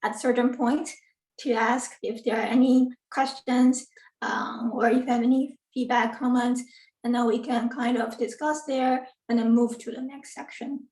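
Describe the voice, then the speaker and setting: A woman's voice: on the high side, fairly even intonation, normal speed, a little mellow. A woman in her thirties from Taiwan, giving an academic talk on a video call, earnest and full of ums and self-corrections. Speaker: guest lecturer, assistant professor. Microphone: video call computer mic. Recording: roomy, distant from the mic.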